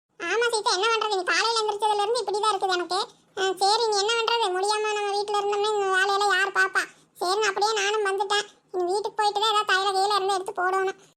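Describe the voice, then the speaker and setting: In a cartoonish character voice pitched extremely high, a woman speaks at a fairly quick pace with monotone, flat intonation. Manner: homely village speech.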